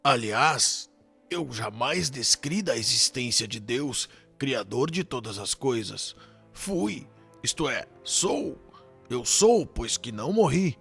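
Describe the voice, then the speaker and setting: A man's voice: mid-range voice, lively intonation, slow, gravelly, fairly bright tone, slightly rough, full character voice. An actor playing an impatient, pretentious, devout man in an audio drama, with formal, declamatory speech. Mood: proud, insistent. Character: impatient, pretentious dead Portuguese man, devout and self-pitying. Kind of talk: scripted audio drama acting. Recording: music behind. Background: music.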